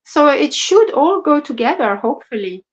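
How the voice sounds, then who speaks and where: A woman with a French accent co-hosting a casual crochet livestream, soft-spoken and apologetic with many fillers. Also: sits high, big pitch swings, moderate pace. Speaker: co-host. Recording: dull lo-fi stream audio.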